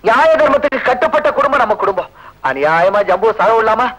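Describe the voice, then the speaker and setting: An actor playing a gentle, desperate brother who pleads for justice, from an old film soundtrack with music behind. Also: male voice, animated, fast, muffled recording. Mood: pleading. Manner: pleading, husky high voice.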